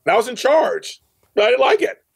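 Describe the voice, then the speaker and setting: Animated man in his fifties telling stories. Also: very high-pitched, a little fast, vocal fry, slightly rough, no room sound. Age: 50s. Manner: emphatic, repeats phrases for effect, acts out quoted dialogue. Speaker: podcast guest, professional organizer. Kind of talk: animated storytelling in a casual interview.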